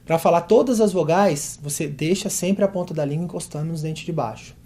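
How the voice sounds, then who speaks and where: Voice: medium pitch, fairly quick, dark tone. A voice teacher with a Brazilian Portuguese accent, explaining vocal technique and demonstrating vowels and drill syllables aloud.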